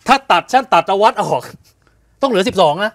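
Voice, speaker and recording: A man co-hosting an evening news show, explaining political events in an animated conversational way, asking rhetorical questions and acting out what others said. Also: sits high, brisk. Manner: animated, asks rhetorical questions, acts out quotes. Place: television studio.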